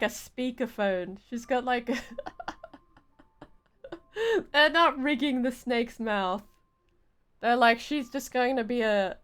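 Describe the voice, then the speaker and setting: Woman, high-pitched clear voice, unhurried pace, casual game stream commentary, chatty. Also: fairly bright tone. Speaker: livestreamer playing a story game.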